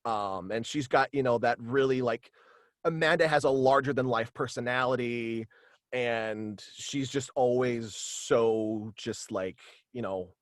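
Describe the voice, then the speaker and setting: Halting man with a dry, close sound. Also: mid-range voice, dry recording. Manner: halting, meandering explanations. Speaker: guest, voice actor and writer. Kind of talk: casual interview, explaining his own story. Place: small indoor home setup, video call.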